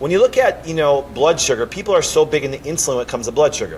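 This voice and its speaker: A man talks very fast with lively intonation and an animated tone. His pitch is fairly high, and noticeable background noise comes through. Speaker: chiropractor. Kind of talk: health lecture.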